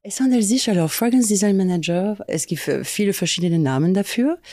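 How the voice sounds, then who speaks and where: A middle-aged French woman speaking German with a French accent, answering interview questions in a halting way and searching for words. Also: mid-range voice, expressive, mellow, dry recording, studio quality. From France. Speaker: fragrance design manager. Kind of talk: casual interview chat.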